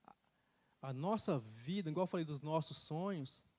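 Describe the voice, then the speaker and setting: A middle-aged man, giving an animated sermon testimony in a church, telling stories with laughter and casual asides. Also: a little high, moderate pace. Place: church sanctuary.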